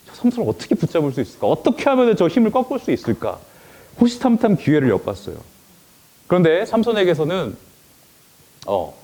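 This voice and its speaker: A male pastor giving a children's sermon, telling a Bible story in an animated way and asking the children questions. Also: a little high.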